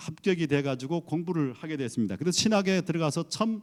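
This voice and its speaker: On a very clean recording with a silent background, a man with a high pitch speaks at a moderate pace with lively intonation. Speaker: pastor. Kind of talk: sermon.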